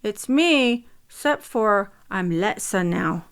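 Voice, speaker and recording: A woman's voice: medium pitch, expressive, takes it slowly, clean tone. A woman voicing her dead mother speaking through a smart speaker, scolding and tender by turns.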